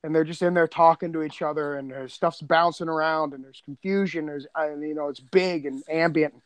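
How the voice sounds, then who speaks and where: A man's voice: a little high, fairly even intonation, a little fast, clean tone, no room sound. A man talking casually on a podcast, informal and rambling, often questioning himself as he goes. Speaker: podcast co-creator and audio editor.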